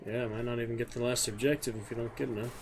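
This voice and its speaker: A man giving casual, low-key gameplay commentary, musing to himself over game sounds. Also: steady tone, very fast. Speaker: gamer commentating own gameplay. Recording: clear game noise behind voice. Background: video game sounds.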